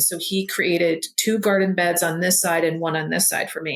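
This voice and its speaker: Over noticeable background noise, a woman talks in an animated tone at a fairly low pitch. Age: 60s. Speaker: boundaries coach. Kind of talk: casual chat.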